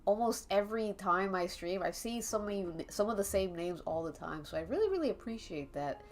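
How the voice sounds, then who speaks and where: A woman's voice: medium pitch, a little fast. A young woman with a congested, stuffy nose, chatting casually and rambling to her chat while she draws, laughing often. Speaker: art streamer. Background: faint calming jazz music.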